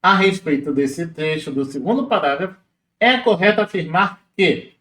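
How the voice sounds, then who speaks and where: A man walks through exam questions as a teacher, in a casual, explanatory way, slowing down to spell out syllables. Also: a little high, a bit bright, echoey room. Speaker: Portuguese teacher.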